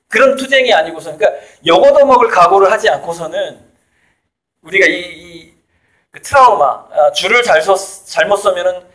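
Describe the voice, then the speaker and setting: Here a man with a high-pitched, fairly bright voice is interviewed. An artist and author from South Jeolla, Korea, he delivers a casual conversational lecture in an emphatic way, laughing in between the points he makes.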